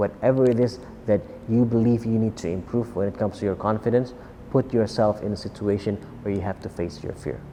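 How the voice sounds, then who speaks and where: Intonation stays fairly even in this voice with a non-native accent. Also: man. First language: not English. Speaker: self-help coach. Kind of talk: motivational talk.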